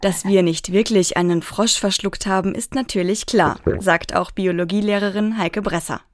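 A woman giving calm scripted narration for a children's knowledge show. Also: mid-range voice, moderate pace, no room sound, clean studio sound.

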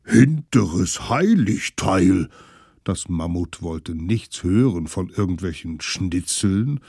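A man narrating a children's story in a slow, expressive way. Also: low voice, breathy edge, dry recording, clean studio sound.

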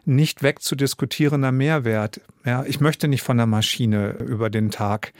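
A middle-aged man answers questions in a radio studio, thinking aloud and often restarting his sentences. His voice sits at an average pitch and sounds close and dry, with no room behind it. He comes across as reflective and a little self-doubting. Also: moderate pace, dry recording. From Germany. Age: 50s. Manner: thoughtful, self-doubting, rambling with fillers and restarts. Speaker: guest, radio drama director and author.

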